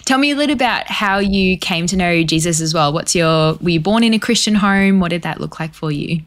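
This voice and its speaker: Woman, interview host, affirming, slightly low voice. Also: lively intonation, brisk. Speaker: guest host. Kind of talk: interview hosting.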